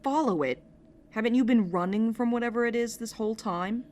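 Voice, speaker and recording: A woman acting in an audio drama as a steady, protective, wryly skeptical woman with a dry, matter-of-fact manner. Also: on the high side, brisk, lightly acted.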